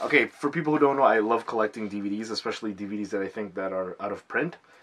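A man talks at a very fast pace in a fairly low voice. He speaks quietly. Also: ordinary pitch variation. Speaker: video game reseller YouTuber. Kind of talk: casual haul video. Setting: at home at night. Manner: quiet, hushed. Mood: upbeat, amused. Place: home room.

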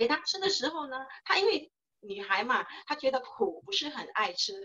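Against a quiet background, a woman speaks at a high pitch and moderate pace, with very wide pitch swings and long, frequent pauses. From Singapore. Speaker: direct sales distributor. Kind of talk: testimony. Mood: cheerful, warm. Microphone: video call.

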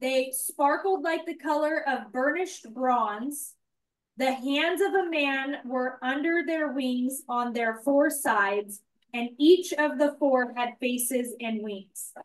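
A woman's high voice at a very slow pace, with ordinary pitch variation. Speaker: Bible study participant. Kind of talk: reading aloud.

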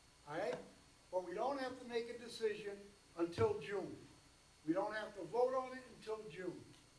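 Here a man speaks with a high pitch at a moderate pace. Long, frequent pauses break up his speech, and room echo is audible. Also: ordinary pitch variation, big swings in loudness. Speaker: community member at board meeting. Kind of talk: public comment. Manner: loud.

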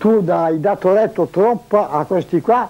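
A man speaks in a dark, mellow tone. His pitch is high, with ordinary pitch variation. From Naples, southern Italy. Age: 90s. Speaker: retired musician, cellist. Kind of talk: interview. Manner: loud.

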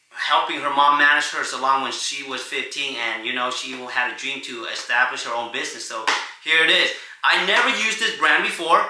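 A man speaks at a fairly quick pace, with audible room echo and light background noise. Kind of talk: casual unboxing vlog. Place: home room.

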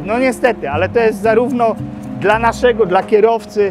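A man speaks at a high pitch with fairly even intonation. The sound is dry with no echo, and clear music plays in the background. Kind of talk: interview answer. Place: street. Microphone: lapel.

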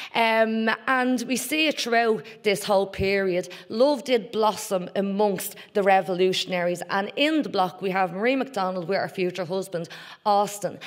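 Against a quiet background, a woman with a Dublin accent speaks at a moderate pace, her medium pitch showing ordinary variation. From Dublin, the Liberties. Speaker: historian. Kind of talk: lecture. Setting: stage with audience. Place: stage.

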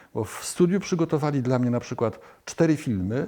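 Over a quiet background, a man with a dark, mellow tone speaks at a fairly quick pace with a fairly high pitch and lively intonation. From Warsaw, Poland. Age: 60s. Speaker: film voice-over narrator. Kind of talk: oral history interview answer. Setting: at home.

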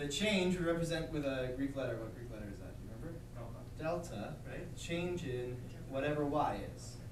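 Amid audible room echo and noticeable background noise, a man talks at a moderate pace with ordinary pitch variation. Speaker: math teacher. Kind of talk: lecture. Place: classroom.

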